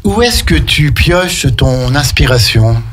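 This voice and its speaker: A man's voice: mid-range voice, lively intonation, slow, slight background noise. A man co-hosting a local radio interview, asking questions and adding brief agreements. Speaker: radio co-host. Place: radio studio.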